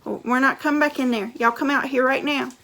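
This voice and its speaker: A woman playing an exasperated mother scolding loudly. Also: high-pitched, steady tone, brisk. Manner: loud, scolding.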